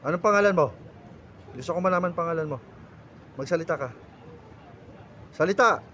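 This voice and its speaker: High voiced filipino guy doing a healing ritual, barking orders, scolding, faint noise outside. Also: a little fast, pushed and bright, muffled recording. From Philippines. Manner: urgent, commanding, scolding. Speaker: folk healer.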